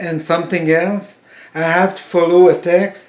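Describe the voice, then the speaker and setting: A man with a French Canadian accent at a very slow pace, with fairly even intonation. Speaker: self-taught amateur scientist. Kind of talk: reading from a prepared text. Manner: halting, with many restarts.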